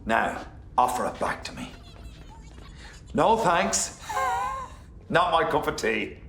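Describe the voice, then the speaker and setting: A woman voicing a corny joke-telling cartoon crew member with a deadpan delivery. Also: low-pitched, reverberant, background noise, full character voice. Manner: slow, deadpan joke-teller. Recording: cartoon soundtrack with music behind.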